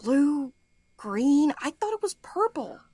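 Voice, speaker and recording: A woman's voice: high voice, sing-song, takes it slowly, dark tone, no echo, studio quality, exaggerated voice. A woman acting in an audio drama as a brash, impatient and snarky amateur sleuth with a blunt manner. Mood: agitated. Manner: blunt, foul-mouthed, bossy.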